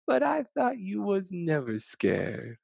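A worried little storybook grandson, acted by a man, asks plaintive, curious questions. The voice is lifted higher, soft and a little husky. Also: huge pitch swings, slow, dry recording, clean studio sound, heavily acted.

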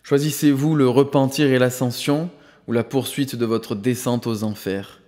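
A man voicing a calm, commanding male spiritual master who speaks solemnly and firmly. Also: mid-range voice, big-room sound, close to an everyday voice. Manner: solemn, firm and measured.

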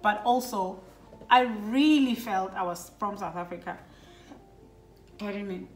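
Chatting casually with her children, a middle-aged vlogger from Lesotho reflects on a personal story, using plenty of fillers. She speaks at medium pitch and a little slowly. Faint music plays behind her in a roomy, echoing space.

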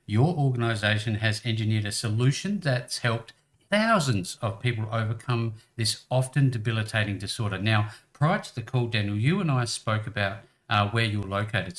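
A man's voice: fairly low pitch, expressive, normal speed. A man with a light Australian accent hosting a business podcast, with a polished, upbeat announcer delivery. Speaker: podcast host. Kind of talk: radio-style show host.

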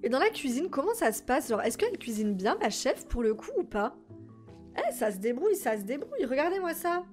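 A young woman commentates her own gameplay in a high, lively voice. She is chatty and excitable and keeps addressing her audience directly. Soft background music plays under her talk. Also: a little fast. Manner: chatty, excitable, talks straight to viewers. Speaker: gaming YouTuber. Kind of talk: casual let's-play commentary.

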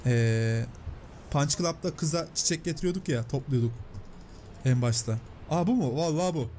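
A man doing excitable let's-play commentary, reading out and paraphrasing game dialogue in a chatty way. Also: medium pitch, normal speed, a little hiss or hum. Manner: chatty, excitable, translating and paraphrasing on-screen lines. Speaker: gameplay commentator.

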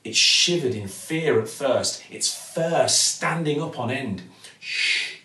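A man's voice: medium pitch, lively intonation, bright, forceful tone. British guy in his 40s doing bedtime story narration, theatrical, bit far from the mic in a room. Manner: theatrical, with dramatic pauses and emphasis. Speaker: actor reading a bedtime story. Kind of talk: expressive children's storybook narration. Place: living room at home, indoors. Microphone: camera or phone a few feet away. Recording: roomy, mic at some distance.

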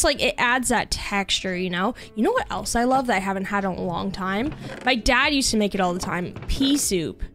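A young woman casually chatting with her viewers while playing a game, bubbly and talkative, saying she is losing her voice. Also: mid-range voice. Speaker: streamer. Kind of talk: casual gaming livestream chat. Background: soft background music.

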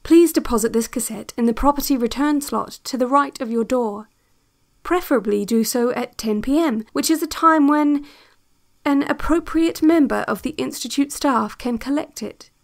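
A woman playing a calm, controlling narrator of an institute's relaxation cassette, measured and hypnotic in an audio drama. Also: high-pitched. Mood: formal, procedural. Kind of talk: scripted guided-meditation narration, audio drama.

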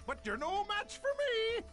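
Old-man game creature, pompous, very high, slow theatrical delivery, boastful. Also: vocal fry, bright, forceful tone, heavily acted. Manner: pompous, boastful, punctuated by hearty laughs. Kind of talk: exaggerated video game character acting.

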